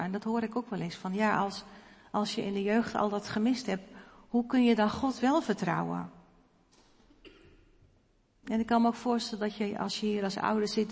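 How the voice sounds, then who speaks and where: A woman preacher speaks in a reflective, personal way and pauses now and then with soft fillers. Her mid-pitched voice has a gravelly texture, and a long reverb fills the church around her. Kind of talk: sermon.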